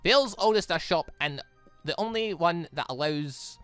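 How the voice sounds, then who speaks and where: A gamer voicing a breezy, animated woman guide. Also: mid-range voice, moderate pace, clean tone, no echo, natural voice. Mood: explanatory. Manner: casual, explanatory, confident. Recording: music playing under the voice.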